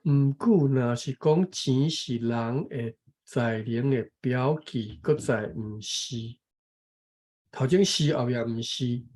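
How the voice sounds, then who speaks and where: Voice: mid-range voice, slow, mellow. A speaker from Taiwan reading a text aloud and explaining it, careful and correcting pronunciation syllable by syllable. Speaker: co-host and reading teacher.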